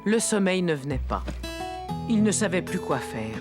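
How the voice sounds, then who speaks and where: A woman's voice: lowish voice, sing-song, normal speed. A woman narrating a children's story in French cartoon style, as a scripted storyteller. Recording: music behind the voice.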